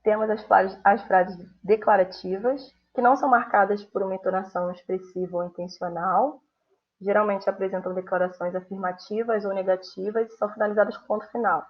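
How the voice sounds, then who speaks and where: A woman's voice: medium pitch, steady tone, brisk, breathy edge. A young adult woman with a Brazilian Portuguese accent, teaching a recorded grammar lesson and voicing example sentences with strong intonation. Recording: dull lo-fi sound.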